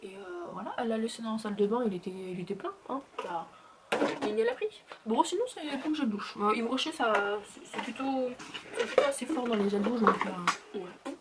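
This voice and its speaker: A woman's voice: on the high side, animated, normal speed, very noisy. A woman in her thirties chatting casually as a beauty vlogger, full of fillers and restarts, sometimes dropping to a murmur. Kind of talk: casual chat.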